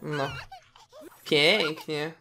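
A woman's voice: sits low, fairly even intonation, very slow, music in the background. A woman casually commenting on her game, chatting to her characters and reacting as she plays. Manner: chatty, talks to her game characters, squeals at cute moments. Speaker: gaming video host.

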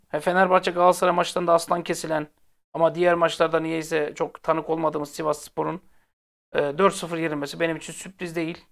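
A man's voice: high-pitched, gravelly, fairly bright tone. A man hosting a football fan channel, ranting casually to viewers in a blunt, exasperated way and repeating phrases for emphasis. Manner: speaks directly to viewers, blunt and heated.

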